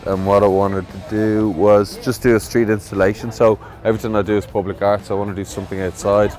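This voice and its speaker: An Irish man, a visiting mural artist, speaks fast in a low, level, slightly mellow voice during an interview. He's easygoing and rambles a little with fillers while a music bed plays underneath.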